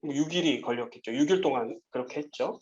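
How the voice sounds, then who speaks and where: A man teaching a Bible lesson to children, gently asking them questions and often pausing on "uh.". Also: medium pitch, lo-fi sound. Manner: gentle, asks the children questions, frequent "uh" fillers. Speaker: Sunday school teacher.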